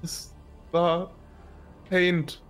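A man's voice: high voice, monotone, drawn-out words, a bit bright, clear, resonant tone, soft background music, exaggerated voice. A man voicing a suspicious, confused teenage boy who questions nervously. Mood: wary.

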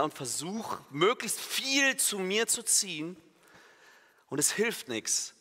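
A pastor with a fairly high male voice preaches a sermon in a church hall, emphatic and lively, acting out imagined inner voices. Now and then he corrects himself mid-sentence, and the hall's long reverb fills the recording.

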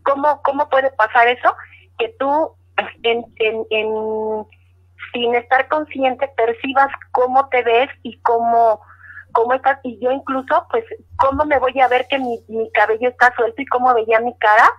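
Woman telling her story, kinda high voice, repeats herself a lot, dull muffled audio. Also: steady tone, a little slow. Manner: earnest, repeats words and restarts while recalling. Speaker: interviewee. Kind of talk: personal storytelling.

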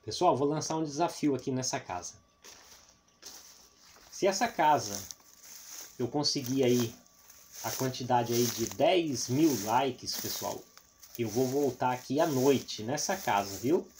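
Handheld and noisy, the footage follows a man from Paraná, Brazil as he explores an abandoned roofless house and its overgrown grounds. He speaks to viewers at a measured pace with frequent pauses, his medium-pitched, darkish voice lively in intonation. His casual narration is chatty and full of tag questions.

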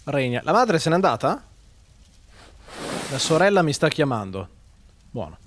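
Lively, sarcastic male game streamer. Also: a little high, moderate pace, slight background noise. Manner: sarcastic, swears, mocks the game. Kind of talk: live gameplay commentary.

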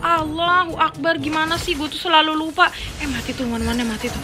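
A young woman giving excitable casual commentary while playing a mobile game at home, swearing and talking to herself and her viewers. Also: high-pitched, a little fast, music in the background.

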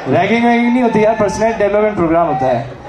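A young man performs a lively stand-up act with a fairly high voice. He breaks into impressions and bits of song. The sound is a far-off, echoey recording in a big hall with a loud crowd all around. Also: rapid-fire. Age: young adult. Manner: lively, switches into celebrity impressions and sung lines. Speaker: medical student comedian. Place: large auditorium stage. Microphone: handheld mic, recorded from far in the audience. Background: laughing, cheering crowd.

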